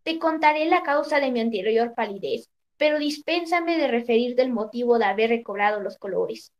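A woman's voice: on the high side, lively intonation, normal speed, lightly acted. A woman reading the lines of a grieving, betrayed king in a storybook tale, close to her own narrating voice. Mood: sorrowful. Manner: sober storybook reading of a king's words.

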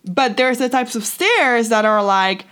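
A woman's voice: fairly high pitch, lively intonation, unhurried, fairly bright tone, smooth. Chatty young woman, searching for words. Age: 20s. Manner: translating in head, searching for words; rambling, self-interrupting. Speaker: host. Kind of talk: casual chatty personal storytelling.

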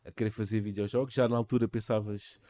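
A podcast host, a man with a European Portuguese accent and a fairly low voice. He leans on jokey colloquial idioms and stretches his questions out, circling back before he lands them. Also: little pitch movement, quick pace, mellow. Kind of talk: casual interview chat.

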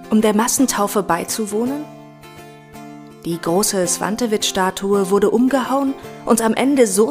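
Eine Frau spricht als Erzählerin einen vorbereiteten dokumentarischen Text. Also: female voice, medium pitch. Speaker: narrator. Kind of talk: scripted documentary narration.

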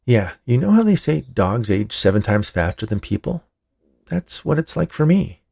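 A man voicing a gentle, earnest young man who explains himself patiently in a narrated story. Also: medium pitch, sing-song, moderate pace, vocal fry, slightly rough, voice pushed up, exaggerated voice. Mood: reassuring.

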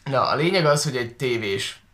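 A man from Hungary chats casually, often halting to search for the right words. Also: mid-range voice, expressive, a bit bright, a little hiss or hum. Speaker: online video creator and talk co-host. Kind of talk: casual conversational commentary. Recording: echoey room sound.

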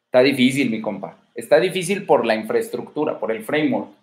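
A man's voice: mid-range voice, expressive, brisk, darkish tone. A man with a Mexican accent hosting a livestream, giving dating advice in a blunt, crude, swaggering way, full of slang and rhetorical questions, talking from a room at home. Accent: Mexican Spanish. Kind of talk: casual livestream advice talk. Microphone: streaming from home.

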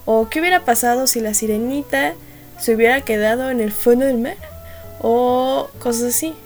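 A woman's voice: a little high, moderate pace, faint music behind. A young adult woman with a Mexican accent hosting a podcast, telling stories in a chatty, slangy way and acting out what people said. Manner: chatty and slangy, acts out quotes, laughs at her own jokes. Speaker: podcast host. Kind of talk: casual storytelling monologue.

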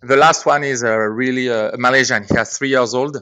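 A man in his forties with a French accent, speaking haltingly with many fillers as a guest on a podcast interview. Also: mid-range voice, steady tone, pushed and bright, clean tone, no room sound. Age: 40s. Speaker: guest actor and director.

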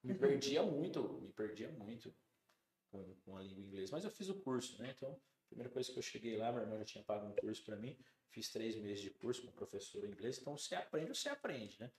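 A man's voice: fairly low pitch, quick pace. A man from Brazil, a chef on a podcast, chatting casually and animatedly, acting out the people in his stories. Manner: animated storyteller, acts out quoted dialogue. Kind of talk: casual chat. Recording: roomy studio sound.

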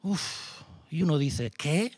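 A man's voice: high voice, expressive, unhurried, no room sound. A middle-aged man from Spain preaching a sermon with a Spanish accent, passionate, firing off rhetorical questions and mocking asides. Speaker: pastor.

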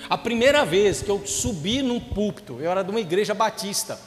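A man's voice: high-pitched, animated, fairly quick. A man with a Brazilian accent preaching a sermon as a pastor, telling stories and calling out to the congregation. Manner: fervent, storytelling, calls out to the congregation. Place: church with reverberant hall. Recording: reverberant church with music behind. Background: worship music playing.

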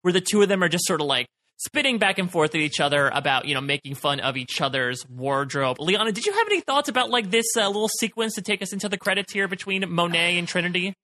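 A man's voice: high-pitched, expressive, quick pace, few pauses, bright, forceful tone. A man co-hosting a podcast, chatting casually in long, run-on thoughts about a TV episode. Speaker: podcast co-host. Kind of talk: casual podcast recap chat.

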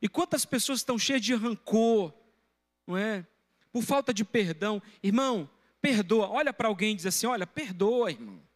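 A high-voiced pastor in his middle years delivers a sermon from the pulpit. He tells stories from his own life and speaks with animated energy. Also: moderate pace. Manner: storytelling, breaks into loud shouting when retelling a confrontation.

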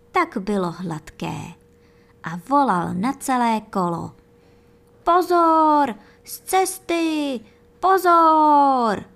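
A woman reading a children's bedtime story aloud, gently and with lively storytelling, speaking straight to the young listeners. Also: mid-range voice.

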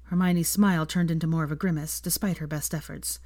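Low-voiced woman reading a story. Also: fairly even intonation, brisk, darkish tone, no room sound, studio quality. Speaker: fan fiction reader. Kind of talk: scripted narration of a story.

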